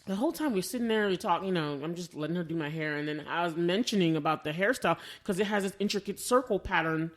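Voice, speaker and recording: A woman's voice: fairly low pitch, quick pace, few pauses. An American woman co-hosting a podcast, chatting casually and telling stories expressively, often re-enacting conversations as she goes. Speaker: podcast co-host. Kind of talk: casual chat and animated personal storytelling.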